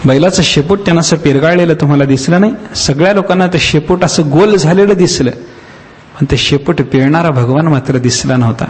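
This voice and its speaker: A man giving a devotional discourse as a spiritual teacher, telling a story with lively acted-out voices and slowly chanted verses. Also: on the high side, slight background noise. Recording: long hall reverb.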